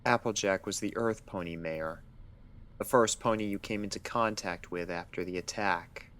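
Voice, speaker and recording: Stern pony doctor, played by a man: low voice, guarded, clinical and authoritative, for audio drama. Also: moderate pace, a bit bright. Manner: clinical, questioning, commanding. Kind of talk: dramatic audio story acting.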